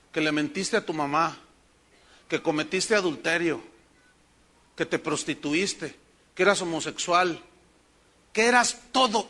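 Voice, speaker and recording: A man with a Mexican accent, a pastor preaching a sermon with emphatic rhetorical questions and animated storytelling. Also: high voice. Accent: Mexican Spanish.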